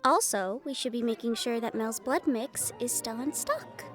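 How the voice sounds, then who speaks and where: A woman's voice: fairly high pitch, moderate pace, a bit bright, soft background music, lightly acted. A woman playing an affectionate, spirited young Latina hunter in an intimate audio roleplay, speaking expressively and chattily to her beloved. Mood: thoughtful, conspiratorial. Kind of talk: intimate scripted audio roleplay addressed to the listener.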